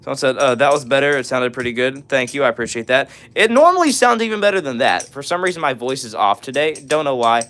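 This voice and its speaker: A raspy young man hosting a live stream, reading viewer messages aloud and answering them in casual talk with lots of "all right" and "uh". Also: medium pitch, animated, fast, hardly any pauses, fairly bright tone. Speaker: livestream host.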